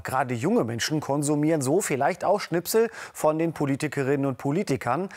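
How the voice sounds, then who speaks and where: Man presenting a news report. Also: fairly high pitch. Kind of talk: scripted news narration.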